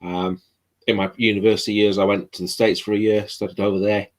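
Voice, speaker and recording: A man's voice: on the low side, little pitch movement, quick pace. A man from Wales, a guest chatting with dry, teasing humour over a video call, sitting back from the mic. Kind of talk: casual chat.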